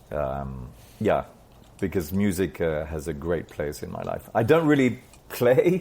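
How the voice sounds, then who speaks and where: At a fairly slow pace, a man with an English accent speaks in a very deep, low voice. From French-Scottish family, raised partly abroad, educated in British school section. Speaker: actor. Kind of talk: casual interview chat.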